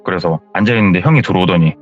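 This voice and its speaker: A man's voice: low voice, very fast. A man retelling a viewer's ghost story as a horror radio narrator, acting out the dialogue as he goes. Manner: lively storytelling, acts out dialogue. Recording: dull lo-fi sound with faint music.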